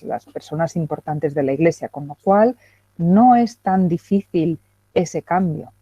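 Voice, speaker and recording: A woman's voice: low voice, mellow, dry recording. A middle-aged woman giving an academic lecture, talking hesitantly with many fillers and checking questions. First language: Spanish. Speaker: guest lecturer. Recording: dull lo-fi video call audio.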